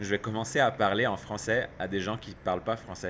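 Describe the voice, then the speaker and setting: A man speaks with fairly even intonation. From Quebec, Canada (born in Lebanon). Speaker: podcast guest. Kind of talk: casual interview conversation. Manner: halting, many repetitions and fillers.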